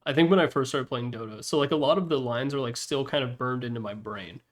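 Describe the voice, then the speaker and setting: Speaking at a quick clip in a medium pitch, this man hosts a ranking of game announcer packs. His casual, meandering commentary is frank and full of swearing, captured in his room through a Yeti desktop mic.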